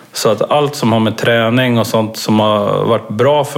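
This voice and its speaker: A man's fairly slow delivery, with fairly even intonation, comes through noticeable background noise. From Sweden, Gotland. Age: 50s. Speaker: weight-loss client. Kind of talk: casual chat.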